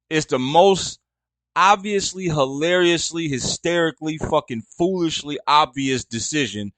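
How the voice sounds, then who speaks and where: A man's voice: fairly high pitch, fairly bright tone, no room sound. A man hosting a podcast, delivering a casual, profane, mocking rant full of exasperation. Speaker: podcast host. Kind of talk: casual ranting commentary.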